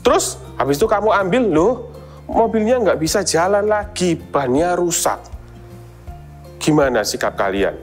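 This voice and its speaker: A young woman with an Indonesian accent gives a children's sermon in a low, warm register, asking questions and urging the kids on. She jumps into squeaky, whiny little-kid voices to act out her examples. Soft music plays faintly behind her. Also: moderate pace. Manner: animated, acts out kids' whiny voices in high pitch. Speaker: children's church teacher.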